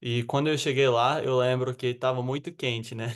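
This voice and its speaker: Speaking at a moderate pace in a mid-range voice, this U.S.-born interview guest uses learned Portuguese with a Rio accent over his American one, talking casually, meandering, and filling pauses.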